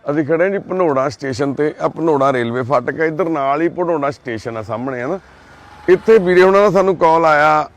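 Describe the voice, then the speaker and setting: Gentle Punjabi man, slightly high voice. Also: moderate pace. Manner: gentle, soothing, coaxing. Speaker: volunteer vlogger helping a lost girl. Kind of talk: on-the-spot vlog narration and coaxing. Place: outdoors at night by a railway crossing.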